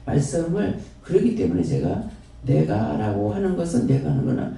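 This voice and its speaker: A man's voice: a little high, wildly swooping pitch, normal speed, mellow. A man with a Gyeongsang accent preaching a rambling, repetitive, folksy sermon and then praying, as a pastor. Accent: Gyeongsang Korean. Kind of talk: sermon and closing prayer. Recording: very echoey hall, distant mic.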